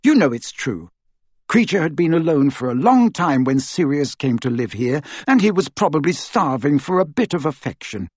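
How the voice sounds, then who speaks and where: A man's voice: fairly high pitch, a little mellow, breathy edge, no room sound, pitched above the performer's own voice, heavily acted. A man voicing an earnest, clever teenage girl witch who insists on her point, in a raised voice. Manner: insistent, lecturing.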